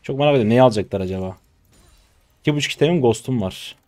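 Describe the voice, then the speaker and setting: A man in his twenties from Turkey giving casual live commentary on his own gameplay, chatty and trash-talking, with sudden loud excited shouts, on a close desk mic. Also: mid-range voice, very fast, no echo. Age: 20s. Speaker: gaming streamer.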